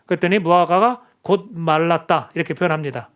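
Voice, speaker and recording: A middle-aged male pastor delivers a sermon in a church in a fairly high voice. He talks earnestly and conversationally and keeps turning to the congregation with questions. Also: a little fast. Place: church sanctuary.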